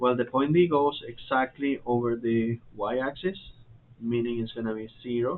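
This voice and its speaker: A man speaks at a moderate pace in an ordinary speaking voice, medium in pitch, with fairly even intonation. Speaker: engineering instructor. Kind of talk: lecture.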